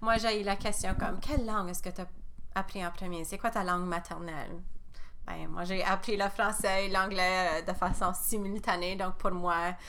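Une animatrice de balado et éducatrice parle d'une voix ni grave ni aiguë. Elle garde un ton posé et bienveillant pendant toute la conversation. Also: female voice, mid-range voice, fairly even intonation, normal speed. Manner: warm, encouraging, reflective questions. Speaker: podcast host and educator. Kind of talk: podcast interview.

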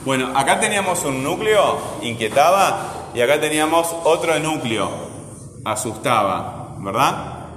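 A man teaching a grammar lesson one-on-one, repeating words slowly syllable by syllable and asking guiding questions. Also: fairly high pitch, expressive, a bit bright, echoey room, big-room sound, a little hiss or hum. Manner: asks frequent guiding questions with "¿verdad?".

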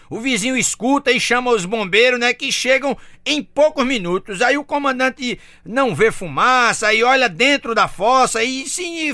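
A man's voice: very high voice, sharp tone, no room sound, studio quality. A man telling a string of folksy jokes, laughing at his own punchlines. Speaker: joke teller.

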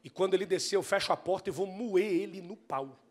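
A man's voice: sits high, fairly quick. A male pastor voicing a fed-up young worker muttering angry threats.

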